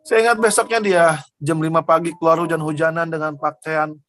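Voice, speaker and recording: A man's voice: a little high, a little fast, a bit bright. A man preaching a testimony sermon, telling his story with emotion and often addressing his listeners directly. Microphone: Zoom broadcast.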